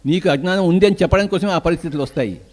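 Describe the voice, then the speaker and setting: A man preaching a spiritual discourse in a fairly high-pitched voice. He speaks emphatically and drives his points home by asking rhetorical questions and answering them himself. Faint bird calls and outdoor sounds drift in behind him. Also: very fast, darkish tone. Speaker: spiritual teacher.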